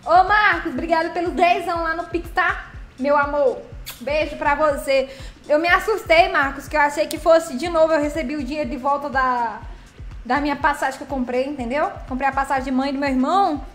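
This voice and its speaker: A woman's voice: high voice, fairly quick, a bit bright. A woman hosting a casual live stream, greeting viewers by name with pet names and chatty affection. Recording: roomy echo with faint background music.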